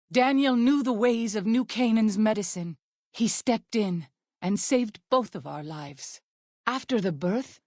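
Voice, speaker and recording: An actress playing an earnest, devout tribal midwife and healer in a video game, speaking in formal, measured, reverent phrases. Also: female voice, mid-range voice, darkish tone, dry recording, clean studio sound. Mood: warm, reflective. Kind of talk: video game character dialogue.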